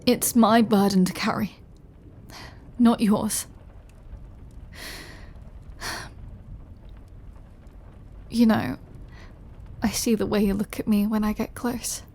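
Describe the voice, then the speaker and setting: A woman voices a lovesick, remorseful vampire who longs for her lover's blood in an intimate audio roleplay, speaking in a mid-range voice with flat delivery. She sounds hurt and hesitant, halting and confessional, her words often dropping softly and breathily toward a whisper.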